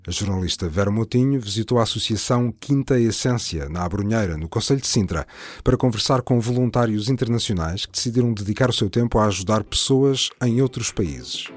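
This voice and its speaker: A man presenting a news programme with a clear, even scripted read. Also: lowish voice, brisk, dry recording. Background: faint music bed.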